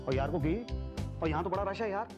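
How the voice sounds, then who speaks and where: An actor playing a cocky, scheming man who talks loud and bossy. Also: high voice, lively intonation, fairly quick, over music. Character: cocky scheming middle-aged man, know-it-all. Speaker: bumbling Punjabi sidekick in a sitcom. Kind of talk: sitcom acting. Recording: dull noisy old TV audio.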